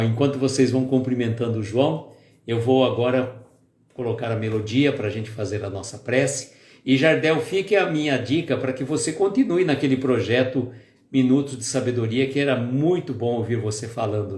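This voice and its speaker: A man hosting a spiritist live stream, chatting casually with viewers by name and then slowly leading a calm guided prayer. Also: mid-range voice. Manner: slow, soft and calm when leading the prayer. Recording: echoey room with faint music.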